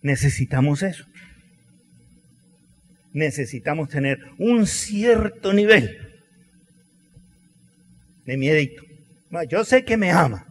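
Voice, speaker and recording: A middle-aged man preaching a sermon, telling stories with acted quotes and dramatic pauses. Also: a little high, expressive, soft background music. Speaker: pastor. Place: large church hall. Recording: long church hall reverb.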